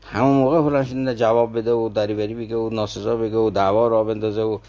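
A man with a fairly low, mellow voice and little pitch movement teaches a classical verse story, explaining its meaning in a didactic talk. He often turns to his listeners with rhetorical questions, and the sound is lo-fi.

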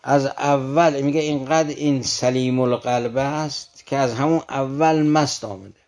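A man talks through classical poetry in an earnest, explanatory manner. He reads each verse slowly and then explains it in plain conversational speech. His pitch sits in a middle range for a man. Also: steady tone, a little mellow. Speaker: literature commentator.

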